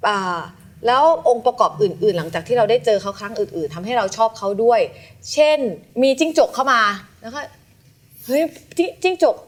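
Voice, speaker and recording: A woman with a slightly high, brisk voice appears as a guest on a television talk show. She tells her story in an animated way, performing the voices of the people in it.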